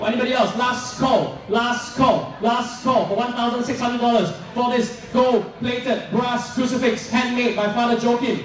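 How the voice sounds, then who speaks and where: A man's extremely high voice in monotone, flat intonation with hardly any pauses, audible room echo and light background noise. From Singapore. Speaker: event emcee and auctioneer. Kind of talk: rapid-fire charity auction calling, repeating bid amounts to drive bidding. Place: hall.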